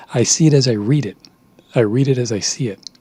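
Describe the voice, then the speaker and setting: Somewhat breathy and dark, mellow in tone, a man speaks at medium pitch and a fairly quick pace with ordinary pitch variation. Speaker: movie review co-host. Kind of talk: casual chat.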